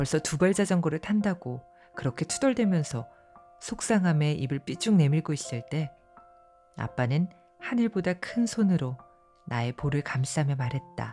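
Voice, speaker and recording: Over music in the background, a woman with a very deep, low pitch talks at a fairly slow pace in a soothing tone, with very wide pitch swings. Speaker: audiobook narrator. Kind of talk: audiobook reading of essays. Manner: soft, soothing.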